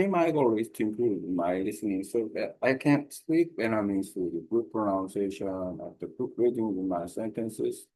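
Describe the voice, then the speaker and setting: A man learning languages who reads his study notes aloud in a careful, halting way with pauses. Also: lowish voice, a little mellow, poor audio.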